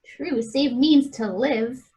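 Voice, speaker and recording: A woman's voice: high-pitched, slow pace, mellow, muffled recording. A woman playing a glib, jeering nobleman in a Shakespeare radio play, with teasing, quippy delivery.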